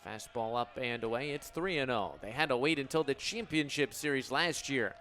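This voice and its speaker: An American man in his twenties calling live baseball play-by-play for radio in a crisp, descriptive announcer delivery. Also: mid-range voice, moderate pace, a bit bright. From Illinois, United States. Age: 20s.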